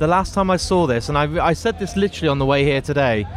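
A man with an English accent talks at a very fast pace. His fairly high voice carries lively intonation. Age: 40s. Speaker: podcast host. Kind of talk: casual interview. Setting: backstage at a festival.

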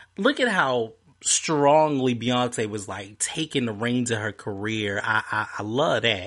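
A man talks at a fairly slow pace with a medium pitch and ordinary pitch variation. The background is quiet. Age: 30s. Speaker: podcast host. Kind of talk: casual chat.

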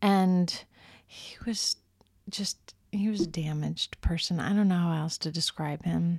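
With an American accent, a woman with a fairly low pitch and a somewhat breathy voice speaks at a fairly slow pace with fairly even intonation and big swings in loudness, on a very clean, dry, close recording with no echo and a silent background. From US Midwest/South (Louisville, Kentucky and Chicago). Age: 50s. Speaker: singer-songwriter. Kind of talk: casual chat. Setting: studio.

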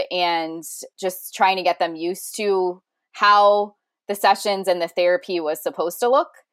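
In a very clean recording with a silent background, a woman with an American accent has a plain, everyday voice, speaking at a medium pitch and a fairly slow pace. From Ohio. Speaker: behavior analyst and trainer. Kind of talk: interview conversation.

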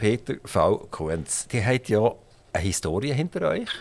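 In a very clean recording with a silent background, a man's pitch swings very widely. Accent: Swiss. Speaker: radio interviewer. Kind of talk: radio interview. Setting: radio studio.

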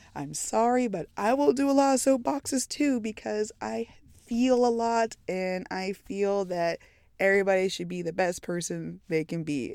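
A woman's medium-pitched voice has a dark, mellow tone and lively intonation at a moderate pace. The recording is very clean, with a silent background. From East Texas, US (Tyler), Nigerian parents. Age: 20s. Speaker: podcast host, travel advice; nurse. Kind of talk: casual solo podcast monologue. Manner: chatty, informal.

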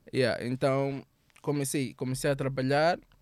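A plain, everyday voice: a man at medium pitch, at a fairly slow pace. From Mozambique. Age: young. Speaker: videographer and photographer. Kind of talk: casual interview. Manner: code-switching between Portuguese and English.

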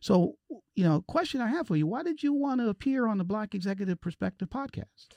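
A man with an American accent talks at a very fast pace in a high pitch with very wide pitch swings. His tone is dark and mellow, and the sound is dry and close with no echo. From Detroit. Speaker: podcast host. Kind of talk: interview; scripted intro and outro. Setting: studio.

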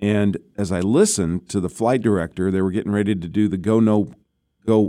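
In a very clean recording with a silent background, a man with a fairly low pitch talks in a Midwestern American accent. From US Midwest, Nebraska. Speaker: former astronaut. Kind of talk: interview.

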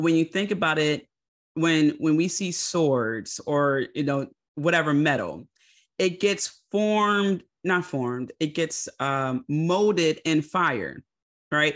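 With a Philadelphia accent, a man speaks at a very slow pace in a fairly high pitch with ordinary pitch variation. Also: quiet background. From Philadelphia, US. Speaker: spiritual podcast host. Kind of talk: solo podcast monologue.

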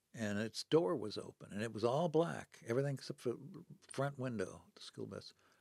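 A man's voice with vocal fry and lively intonation, dry and close with no echo. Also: medium pitch for a man, moderate pace. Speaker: retired magazine editor. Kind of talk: casual chat.

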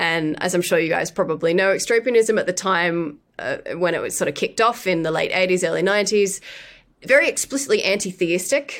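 In an Australian accent, a woman with a medium pitch speaks at a moderate pace with lively intonation on a very clean recording with a silent background. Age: 30s. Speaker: historian and researcher. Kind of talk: interview.

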